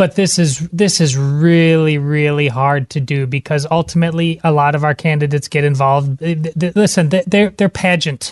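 A man with an American accent and a plain, everyday voice talks at a moderate pace with hardly any pauses, a fairly high pitch and fairly even intonation. His loudness is very even, and the sound is dry and close with no echo over a quiet background. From Wisconsin. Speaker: radio show co-host. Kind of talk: political talk radio.

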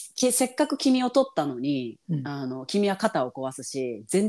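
Against a quiet background, a woman's dark, mellow voice moves through very wide pitch swings. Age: 30s. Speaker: podcast co-host. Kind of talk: casual chat. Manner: animated.

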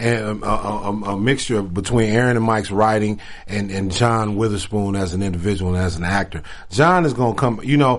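A man speaks at a fairly quick pace in a fairly low pitch. His pitch varies in an ordinary way, and the room echo is audible. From Arkansas, raised in Los Angeles. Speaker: actor. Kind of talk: casual chat.

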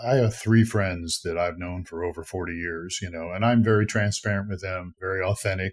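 A man's somewhat breathy voice, fairly low in pitch, fairly quick, with ordinary pitch variation, on a very clean recording with a silent background. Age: 60s. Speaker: pastor and church streaming provider. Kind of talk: casual chat.

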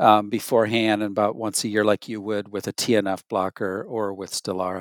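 In a very clean recording with a silent background and a dry, close sound with no echo, a man uses an ordinary speaking voice at fairly low pitch and a moderate pace. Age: 60s. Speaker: dermatologist and clinical trials investigator. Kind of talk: expert interview.

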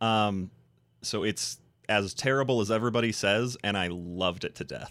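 A man speaks in a normal speaking voice at a fairly low pitch. His pace is moderate, with ordinary pitch variation. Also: very clean recording, silent background. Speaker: radio producer. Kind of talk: casual chat. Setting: studio.

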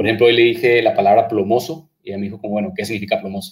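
This man's fairly low voice rushes along at a very fast pace. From Guatemala. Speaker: podcast host. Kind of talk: interview. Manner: hesitant, many fillers.

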